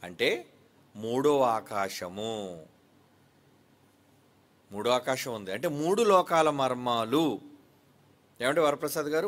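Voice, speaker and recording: A man preaching a sermon as a pastor. He keeps asking rhetorical questions of his listeners and swings between quick, raised lines and slow, quiet stresses. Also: mid-range voice.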